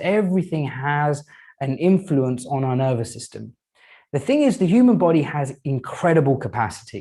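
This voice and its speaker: A man with a dark, mellow tone, a fairly high pitch, ordinary pitch variation and a somewhat breathy quality. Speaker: osteopath and yoga lecturer. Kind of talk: online lecture. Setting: video call. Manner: tends to speak fast; enthusiastic.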